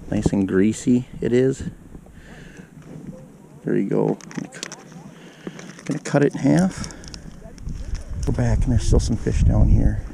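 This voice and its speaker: A man's voice: on the low side, slow pace, vocal fry, pauses often. A man casually narrating his ice fishing to viewers, recorded on a body-worn action camera outdoors on a frozen lake. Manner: chatty, talks to viewers as "you guys". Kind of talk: casual play-by-play commentary. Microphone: body-mounted action camera. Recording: outdoor wind noise on the mic.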